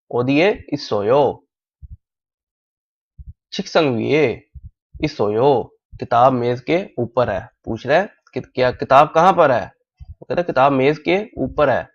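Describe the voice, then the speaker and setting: A man teaching a language class, slowly repeating drill phrases again and again as in a recorded lecture, with Urdu as his first language. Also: mid-range voice, lively intonation. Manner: slow, repeats drill phrases many times. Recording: dull lo-fi recording.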